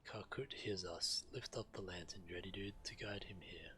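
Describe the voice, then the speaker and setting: A man's voice: low-pitched, normal speed, bright, forceful tone, a little hiss or hum. A man reading solemn fantasy quest dialogue of tribal villagers aloud on a game stream.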